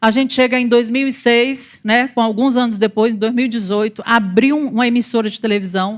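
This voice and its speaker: An animated, fairly quick delivery in a Maranhão accent, with hardly any pauses. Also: woman, fairly high pitch for a woman. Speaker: missionary. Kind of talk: missionary testimony in church.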